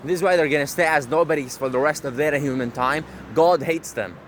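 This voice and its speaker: A man's voice: on the high side, a little fast, a bit bright, slight background noise. Brash, profane Arab man rambling outdoors. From Syria. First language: Arabic. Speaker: vlogger. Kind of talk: rambling self-talk monologue.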